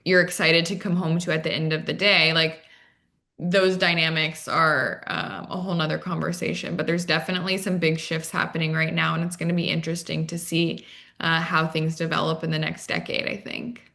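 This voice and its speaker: A woman's voice: deep voice, flat delivery, fairly quick, gravelly, pushed and bright. A woman from Arizona with an American accent, talking conversationally as an interview guest and dating coach, casually peppering her speech with "like" and "you know". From Arizona, United States.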